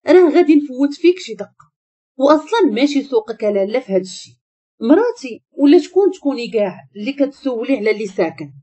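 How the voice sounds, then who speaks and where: A woman's voice: high-pitched, big pitch swings, quick pace, mellow, breathy edge, heavily acted. A woman with a Moroccan accent voicing a harsh, insulting young male boss who talks bluntly. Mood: curt, scornful.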